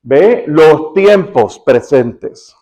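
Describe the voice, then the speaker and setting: High-voiced Cuban pastor preaching. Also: male voice, lively intonation, extremely slow. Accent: Cuban Spanish. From Cuba. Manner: rising to emphatic, louder questions. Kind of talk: sermon.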